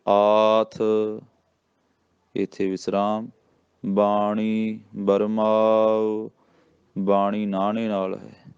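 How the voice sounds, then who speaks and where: A man with a Punjabi accent teaching recitation of verses, singing out each line slowly and drawn out, then explaining the pronunciation more quickly. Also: lowish voice, darkish tone, clean tone, no room sound, dull audio. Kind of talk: slow recitation lesson with spoken explanations.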